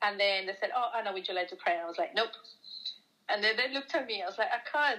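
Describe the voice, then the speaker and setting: Using lively intonation, a woman with a Spanish accent speaks in a bright, sharp tone. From Ecuador. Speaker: church home group leader. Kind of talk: podcast interview. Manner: halting.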